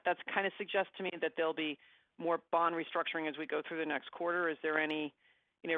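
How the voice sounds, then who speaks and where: A woman asking measured, probing questions as a bank analyst on an earnings call. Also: fairly low pitch, no room sound. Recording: dry, dull conference phone line.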